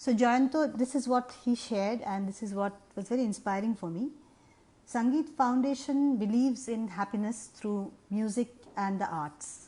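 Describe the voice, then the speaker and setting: With a Bengali accent, a woman speaks in a dark, mellow tone with ordinary pitch variation. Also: moderate pace. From India, Bengali. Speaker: singer and former radio jockey. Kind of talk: live stream talk. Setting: Facebook Live video stream. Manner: hesitant, many fillers.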